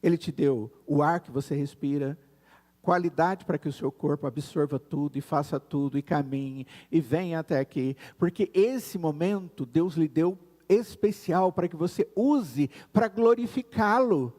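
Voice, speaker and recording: A Brazilian man preaching a sermon in a church sanctuary. His voice sits on the high side, and the reverb of the big room trails after each phrase. He talks earnestly and slows down to lean on his key words. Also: warm tone. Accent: Brazilian Portuguese. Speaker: pastor.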